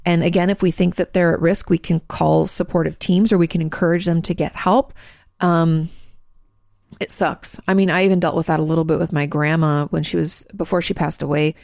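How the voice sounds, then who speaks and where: An American woman with a low, gravelly, slightly mellow voice hosts a podcast, answering listener questions in frank, earnest, casual advice talk full of ums and restarts. She sounds congested and clears her throat, speaking fairly quickly in a level tone. The recording is close-miked and dry, with no room sound or echo.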